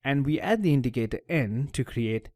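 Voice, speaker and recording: Male tutor, scripted voice-over, lively intonation, methodical delivery, dry close mic. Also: mid-range voice, moderate pace, dry recording. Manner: clear, methodical explaining. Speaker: language teacher.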